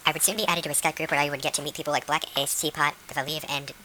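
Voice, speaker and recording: A woman reading a written document aloud in a rapid, flat read-through without pauses. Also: sits low, a little hiss or hum, low-quality recording.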